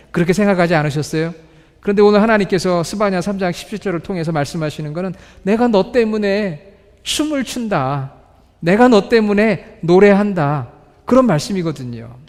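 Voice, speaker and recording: A high-pitched man delivers a sermon in a church sanctuary. He puts questions to his listeners and slows down to read scripture. His voice rings with the long reverb of the hall. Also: darkish tone. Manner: asks the congregation questions, reads scripture slowly. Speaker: pastor.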